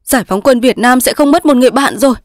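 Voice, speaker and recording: A woman voicing a young male resistance soldier, pleading in loud sobbing outbursts in a storybook reading. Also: a little high, a little fast, dry recording, clean studio sound, pitched above the performer's own voice, close to an everyday voice. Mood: frantic.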